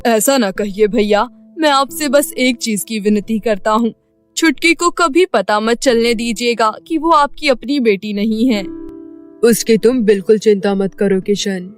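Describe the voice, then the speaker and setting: A woman's voice: a little high, a little slow, faint music behind, natural voice. A woman voicing a humble, kindly middle-aged father in a cartoon story, speaking earnestly. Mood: grateful. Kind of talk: Hindi cartoon story dubbing.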